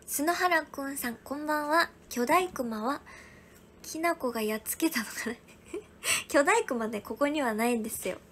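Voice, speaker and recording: High-voiced young woman, soft and whispery. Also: expressive, normal speed, slight background noise. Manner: soft, often whispery, thanking viewers one by one. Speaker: livestream host. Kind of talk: casual livestream chat reading viewer gifts.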